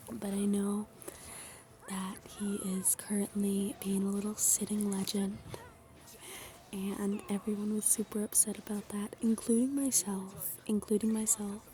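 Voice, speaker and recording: The soft-spoken voice moves at a fairly slow pace with long, frequent pauses. Noticeable background noise sits behind it. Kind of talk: casual talk to camera.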